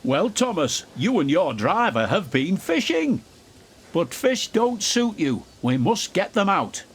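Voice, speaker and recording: A man's voice: high voice, sing-song, slow, breathy edge, voice pushed up, exaggerated voice. A man voicing a fussy but kindly railway controller with authority, in a storybook tale. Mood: kindly admonishing.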